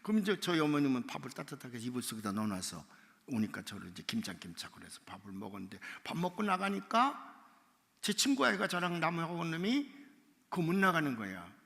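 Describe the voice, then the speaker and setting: A male pastor tells a long story from the pulpit and voices every character himself, sometimes shouting or crying out the lines. His voice is gravelly, bright and sharp, and it swings widely up and down in pitch. The sermon rings with a long church-hall reverb. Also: sing-song, fast. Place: church sanctuary.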